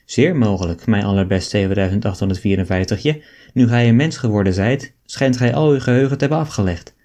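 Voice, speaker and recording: A man's voice: lowish voice, fairly quick, mellow, lightly acted. A man reading an audiobook, voicing an affectionate female talking monkey in a coaxing, tender way.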